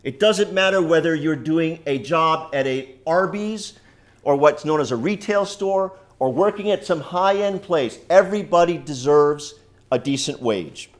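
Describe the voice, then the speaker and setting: Big-voiced New man giving a speech. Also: fairly high pitch. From New York. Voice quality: big, loud voice. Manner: fervent, optimistic rally speaking. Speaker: keynote speaker. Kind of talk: political speech. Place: university lecture room. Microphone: unamplified voice picked up from the room.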